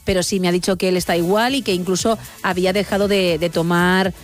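A woman's voice: lowish voice, steady tone, fast. A woman hosting a late-night radio show, teasing her co-hosts in casual banter. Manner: teasing, joking.

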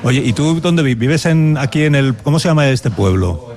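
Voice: mid-range voice, expressive, normal speed, a little mellow. A reporter asking chatty, friendly questions in a classroom and laughing often. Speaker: reporter interviewing in a school. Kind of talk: casual interview. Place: rural classroom.

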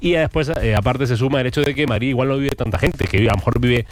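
Guy running a quiz, talks quick and teasing, bit of music behind. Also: mid-range voice. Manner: playful, teasing, rattles off numbers. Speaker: quiz host. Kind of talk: casual radio quiz banter.

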